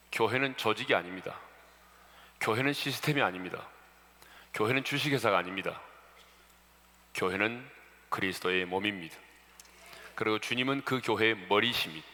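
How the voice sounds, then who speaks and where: A man's voice: fairly low pitch, pushed and bright. A man preaching a sermon as a pastor, often calling out to the congregation and joking between points. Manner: addresses congregation often, jokes about regional dialects. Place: church sanctuary. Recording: long church reverb.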